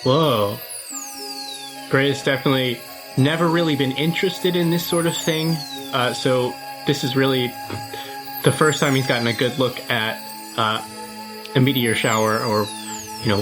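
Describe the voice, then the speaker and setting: A man playing a tabletop game, improvising and describing his character's moves in a halting, tentative, casual way. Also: mid-range voice, poor audio. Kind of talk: casual improvised roleplay and narration. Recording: faint music under the voice.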